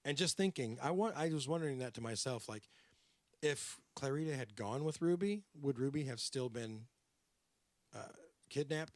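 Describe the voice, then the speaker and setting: A man's voice: mid-range voice, dry recording. A man hosting a podcast, telling a true-crime story and slipping into character voices. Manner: animated, drops into character voices. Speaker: podcast host.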